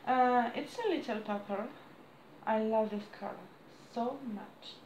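A woman in her thirties with a French accent, chatting to camera at home in halting English, losing her voice. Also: a little high, darkish tone, reverberant, slight background noise, rough recording. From France. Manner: halting non-native English with frequent restarts and apologies. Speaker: crafts vlogger. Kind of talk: casual chat to camera. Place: small room indoors at home. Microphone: camera on a desk close by.

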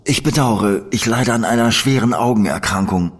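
A man playing a sinister male spirit medium in a radio play, speaking smoothly and soothingly with a menacing edge. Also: lowish voice, normal speed. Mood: cold.

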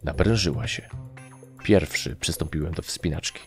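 Man, Polish accent, very low voice, gravelly, animated narration, audiobook. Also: moderate pace, soft background music. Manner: animated, voicing characters with raised shouts. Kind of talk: first-person audiobook narration.

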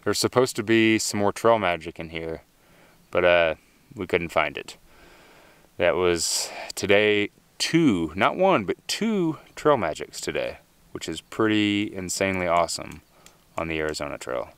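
A man in his thirties talks into a camera held at arm's length out in the open desert. His voice is deep and smooth, and his delivery is relaxed and upbeat. His sentences often trail off into low mutters. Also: unhurried, no echo. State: slightly winded from climbing. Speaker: thru-hiker vlogger. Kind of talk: casual trail vlog to camera. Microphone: handheld camera at arm's length.

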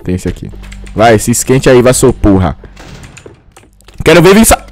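A man with a sore throat, swearing and yelling through casual game commentary. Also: mid-range voice, big pitch swings, normal speed. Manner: swears a lot, yells and shrieks when caught. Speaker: gamer. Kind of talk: casual let's-play commentary.

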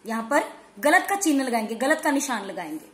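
A woman's voice: fairly high pitch, big pitch swings, a bit bright, roomy sound. A woman teacher giving a lesson to young children, asking questions and answering them herself, then spelling words out letter by letter. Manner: explains slowly, spells words letter by letter, asks and answers her own questions. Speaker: school teacher. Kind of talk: online class lesson. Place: room at home.

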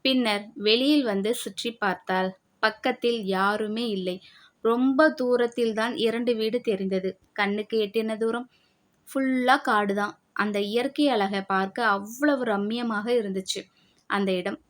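A woman's voice: a little high, unhurried. Woman narrating an audio novel. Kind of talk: scripted story narration.

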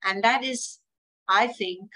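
A woman's voice: mid-range voice, takes it slowly, sharp tone. An older woman with a Swiss accent talks on a video call from home. She speaks earnestly and tells stories, slipping into the voices of the family members she quotes. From Switzerland. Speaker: hospice speaker on care planning. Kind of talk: webinar talk with anecdotes. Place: home room, indoors.

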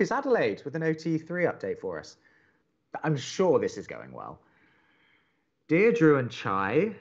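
An upbeat young college radio co-host in a romantic comedy podcast. He is chatty, wry and earnest, with a lively, moving pitch. The sound is slightly muffled. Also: exaggerated voice. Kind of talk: romantic comedy audio drama dialogue.

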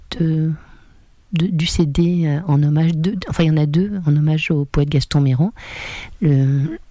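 Mellow-voiced woman radio host signing off. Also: low voice, no echo. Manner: addresses listeners directly, hesitant with pauses. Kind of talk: radio show sign-off. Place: radio studio.

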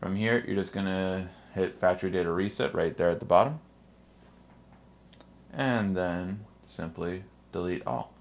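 A man's voice: low-pitched, unhurried, a little hiss or hum. A man hosting a casual step-by-step tech tutorial, talking the viewer through each step. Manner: spells out his name letter by letter in intro and sign-off.

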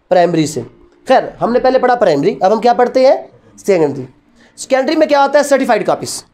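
A woman with a Pakistani accent gives a classroom law lecture in a mid-range, darkish voice. Her style is didactic: she asks rhetorical questions and answers them herself, mixing Urdu with English legal phrases.

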